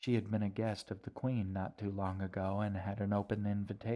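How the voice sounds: What you hear is a natural reading voice.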